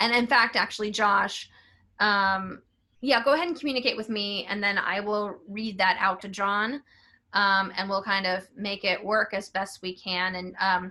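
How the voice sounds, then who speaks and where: A woman's plain, everyday voice with an American accent, medium pitch and fairly even intonation. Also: moderate pace. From San Diego, California. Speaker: theater director hosting online class. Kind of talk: casual video-call moderation. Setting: video call.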